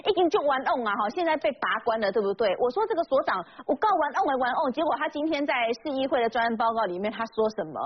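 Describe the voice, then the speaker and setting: A woman's voice: high voice, animated, fast, few pauses, breathy edge. A woman hosting a political talk show, chatty and full of tag questions. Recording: slightly dull broadcast audio.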